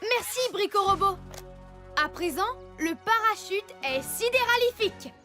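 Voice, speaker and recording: A woman's voice: very high voice, animated, a little slow, sharp tone, faint music behind, heavily acted. A woman voicing a brave, cheerful little alien space hero in a cartoon, upbeat and commanding. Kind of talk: French cartoon dubbing.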